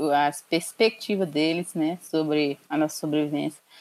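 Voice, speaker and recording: A woman is speaking. Her pace is fairly slow. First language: Krahô (speaking Portuguese). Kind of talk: interview.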